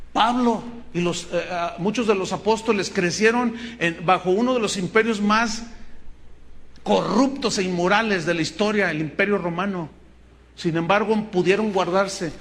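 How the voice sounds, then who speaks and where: A man's voice: high-pitched, fairly bright tone. A man with a Mexican Spanish accent preaching a sermon as pastor, telling stories and acting out quotes with emphasis. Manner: storytelling with acted quotes, emphatic.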